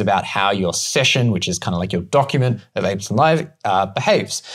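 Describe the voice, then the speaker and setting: A man's pitch swings very widely. Behind him, the background is quiet. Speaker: music software instructor. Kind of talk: tutorial. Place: home room.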